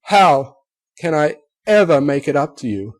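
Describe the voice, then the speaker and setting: A man voicing a refined unicorn mare who speaks in a breathy, trembling, genteel way. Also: lowish voice, moderate pace, a little mellow. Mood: pleading.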